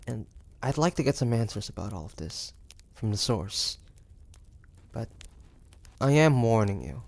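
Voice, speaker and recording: Guy voicing a stubborn wary demon hunter for audio rp, slow n creaky, hesitant, kinda grudging. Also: medium pitch, sing-song, a little mellow, exaggerated voice. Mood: distrustful, warning. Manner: hesitant, grudging, halting with sighs. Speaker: voice actor. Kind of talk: intimate audio roleplay acting, addressing the listener.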